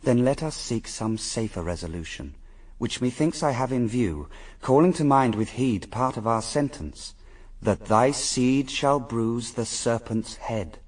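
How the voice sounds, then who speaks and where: An actor playing an anguished but reasoning husband, speaking formal verse gravely in a classical radio drama. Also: male voice, mid-range voice, darkish tone, far from the mic. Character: Adam, the first man, anguished yet reasoning husband.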